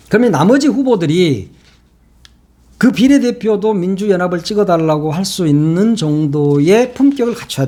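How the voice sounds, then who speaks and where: A man's voice: a little high, warm tone. A man giving solo political commentary, opinionated and emphatic, often asking rhetorical questions.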